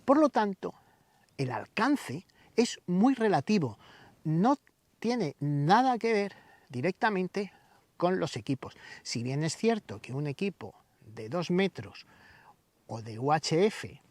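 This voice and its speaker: A man's voice: high-pitched, sing-song, takes it slowly, darkish tone, no echo. A man giving a didactic explainer as a channel host, stressing the openings of his phrases. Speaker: radio hobby channel host. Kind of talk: explainer to camera, semi-scripted tutorial.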